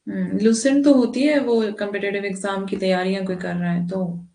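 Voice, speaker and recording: A woman's voice: mid-range voice, fairly even intonation, a little fast, vocal fry, warm tone, reverberant. A woman teacher talking to her students in an online class, giving firm, instructive advice and addressing them fondly.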